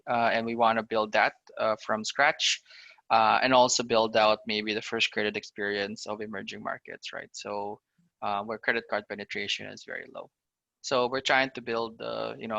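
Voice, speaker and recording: A man's voice: mid-range voice, gravelly, sharp tone, no echo, lo-fi sound. A man, a podcast guest telling his career story in an upbeat way, with lots of "uh" and "you know". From Philippines. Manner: upbeat, talks in long runs full of "uh" and "you know". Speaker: guest, fintech startup founder. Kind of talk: casual podcast interview.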